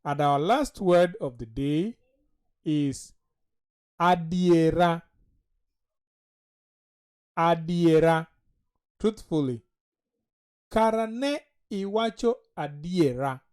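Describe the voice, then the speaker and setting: A language teacher giving a vocabulary lesson, saying each word slowly and repeating it with care. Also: medium pitch, darkish tone, clean tone.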